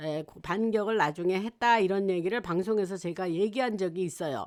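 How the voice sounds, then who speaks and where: A woman speaks in a medium pitch at a moderate pace. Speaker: YouTube commentator on US politics. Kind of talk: solo monologue. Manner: hesitant, many fillers.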